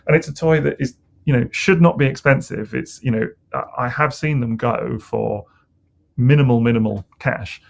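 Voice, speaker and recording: A man's voice: medium pitch, moderate pace, vocal fry. A man co-hosting a casual podcast chat, rambling and hesitant with lots of fillers. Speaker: podcast co-host.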